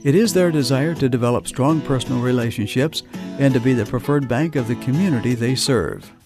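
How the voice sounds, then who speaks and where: A man reading a sponsor message in a friendly, steady way. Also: medium pitch, brisk, music in the background. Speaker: sponsor announcer.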